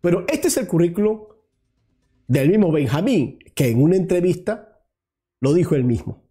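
Combative guy in his 30s, lively swooping voice, mellow tone, firing questions at someone on a lapel mic. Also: high-pitched, moderate pace. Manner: combative, addressing his target directly with rhetorical questions. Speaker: political commentary host. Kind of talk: emphatic political commentary. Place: small studio with virtual set.

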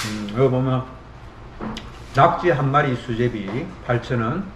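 A man's voice: medium pitch, animated, measured pace, a little hiss or hum. A middle-aged man from South Korea hosting a casual eating show, talking expressively as he savors his food, at times with his mouth full. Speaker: mukbang host.

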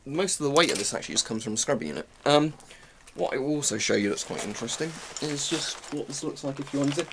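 A British man in his twenties giving an informal, rambling explanation as he demonstrates gear. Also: mid-range voice. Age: 20s. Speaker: presenter of military gear reviews. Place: small cluttered room at home. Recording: clearly noisy home-room recording.

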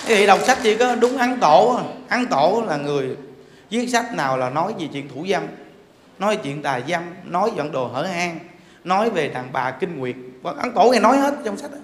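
A male monk giving a dharma talk in a lively, joking way, acting out quarrels with bursts of laughter. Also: high voice, moderate pace. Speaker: monk teacher. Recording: echoey hall with faint background noise.

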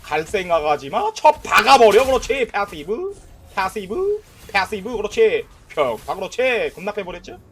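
Excitable high-pitched young man gaming. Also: normal speed. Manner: excitable, trash-talking, narrating his own plays. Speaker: gaming YouTuber. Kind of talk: casual game commentary.

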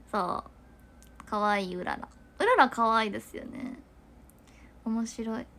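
A woman's voice: fairly high pitch, lively intonation, extremely slow, long pauses, pushed and bright. A young woman chatting casually to viewers on a livestream, giggling and rambling with lots of fillers. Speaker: idol livestreamer.

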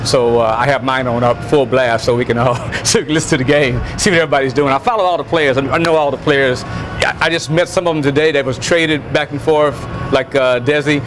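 A man's voice: mid-range voice, fairly even intonation, brisk. A middle-aged man chatting casually as a sports fan in an on-camera interview outdoors. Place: outdoors by brick building. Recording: clear outdoor street noise.

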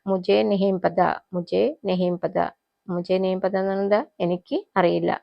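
Woman, language teacher who repeats phrases slowly, gravelly voice, dull dry recording. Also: lowish voice, level tone, dry recording. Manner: repeats each phrase slowly, then explains. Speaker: Hindi teacher. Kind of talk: spoken language lesson.

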